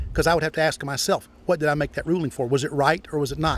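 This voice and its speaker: Vocal fry marks a man's delivery at a very fast pace. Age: 60s. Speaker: former college athletics staffer and golf rules official. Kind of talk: interview. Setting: outdoors at golf outing.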